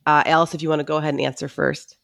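Upbeat woman podcast host, mid-pitched, dry close mic, rambling questions. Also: little pitch movement, racing, vocal fry, fairly bright tone, dry recording. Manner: upbeat, chatty, asks long rambling questions. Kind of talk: casual interview chat.

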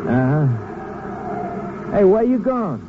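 A man's voice: sits high, sing-song, takes it slowly, exaggerated voice. An actor playing a plain-spoken, wary, inquisitive male traveler in a 1950s radio drama, with a casual questioning manner. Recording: muffled, noisy old radio recording.

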